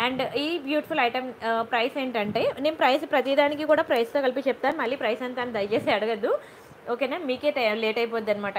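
The recording is rough, with a faint hiss beneath this jewellery seller's high, bright voice as she hosts a live sale. Warm and chatty, she greets viewers by name, keeps checking in with "okay?", and mixes English words and phrases into her Telugu.

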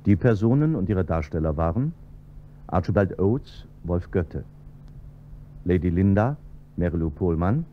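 Deep-voiced male radio announcer. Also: expressive, measured pace, pauses often. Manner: plain, formal announcing. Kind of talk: reading closing credits. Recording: dull old radio recording with faint hum.

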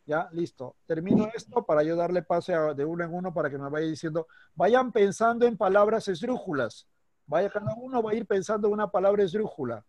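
A man teaching a primary school class online. He is patient, checks in constantly with short questions, and slows down to stress words when he explains. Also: high-pitched, expressive, darkish tone, no room sound. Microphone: computer mic on a video call.

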